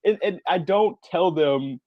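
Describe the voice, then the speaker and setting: A man's voice: high-pitched, unhurried, highs cut off. A man speaking as a podcast creator on a panel, answering conversationally and acting out short quotes as he tells stories. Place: remote online panel.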